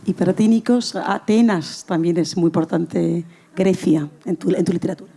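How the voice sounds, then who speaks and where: A woman moderating a live literary panel in conversation, halting and rephrasing as she puts her questions. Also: fairly low pitch, creaky, warm tone, husky.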